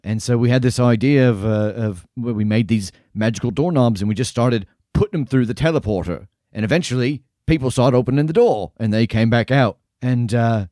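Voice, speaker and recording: Tavern keeper, fantasy tabletop game, played by a man: friendly, folksy, hearty, mid-pitched, dry sound. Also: warm tone, no room sound, close to an everyday voice. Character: friendly, easygoing tavern keeper of a magical pub. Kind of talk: in-character tabletop role-play.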